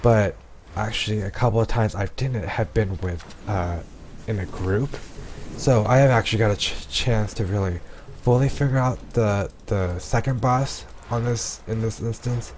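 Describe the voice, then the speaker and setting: A man's voice: fairly low pitch, normal speed, darkish tone, a little hiss or hum. A man casually commentating his gameplay in a rambling way, with many ums and restarts, while losing his voice. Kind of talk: casual let's-play commentary.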